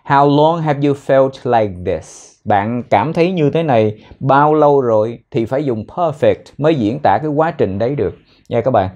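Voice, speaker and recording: In a relaxed style, a young man teaches spoken English, explaining phrases and saying words slowly for learners to repeat. His voice sits at medium pitch with a darkish, expressive tone, and the recording is lo-fi.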